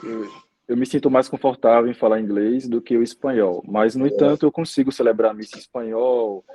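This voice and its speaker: A Brazilian man in his twenties, a Catholic priest answering interview questions in a measured way, often ending phrases with "né?". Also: medium pitch, background noise. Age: 20s. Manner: measured, many "né?" tags.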